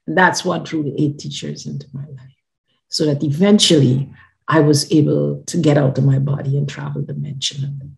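A woman's voice: low-pitched, little pitch movement, moderate pace, gravelly, poor audio. Older Guyanese-born woman, earnest storyteller. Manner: earnest, emphatic, often trailing off softly. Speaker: podcast guest. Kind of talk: personal storytelling. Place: home living room. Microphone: video call.

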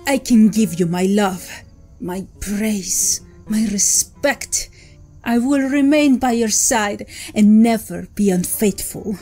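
An actress voicing a calm, cunning witch who sprinkles Spanish words, in an audio drama with faint music behind. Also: medium pitch, takes it slowly. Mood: devoted.

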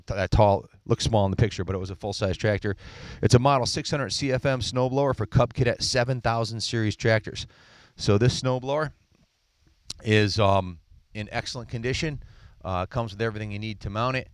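A man's voice: fairly low pitch, clear, resonant tone, no echo. A middle-aged man outdoors on a lawn, talking casually into a handheld mic as he walks around showing equipment for sale, rambling with lots of fillers and restarts. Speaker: seller presenting equipment. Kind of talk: casual walkaround sales pitch.

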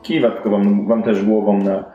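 Male game master, lowish voice, improvised fantasy narration, roomy sound over soft music. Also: flat delivery, moderate pace, muffled recording.

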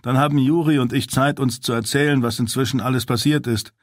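A man's voice: mid-range voice, fairly even intonation, a little fast, no room sound, lightly acted. Caring male officer, persuasive, in the male reader's plain voice, dry. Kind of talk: audiobook character voice.

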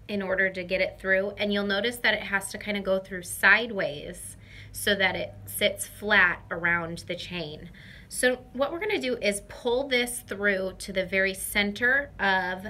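A woman's voice: medium pitch, pushed and bright. A young woman presenting a craft tutorial, explaining each step carefully and repeating key words for emphasis. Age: young adult. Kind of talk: step-by-step instructional demonstration.

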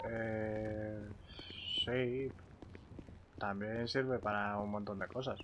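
A man's voice: on the low side, fairly even intonation, very slow. A man making brief, casual remarks while roleplaying in a survival game. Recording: noisy game audio with ambient sounds.

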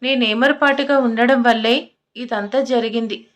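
A woman's voice: on the high side, fairly even intonation, measured pace, natural voice. Storybook role: soothing, pleading young husband, voiced by a woman narrator. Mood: reassuring. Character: worried young husband, gentle and reassuring.

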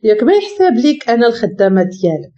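Woman playing a defiant Moroccan bride, high and lively voice, lo-fi sound. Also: racing. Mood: bitter. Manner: bitter, defiant. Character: tearful defiant young woman, forced bride.

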